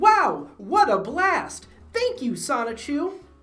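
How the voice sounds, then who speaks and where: With audible echo, a man puts on a character voice at an extremely high pitch, with very wide pitch swings and a very slow pace. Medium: read story.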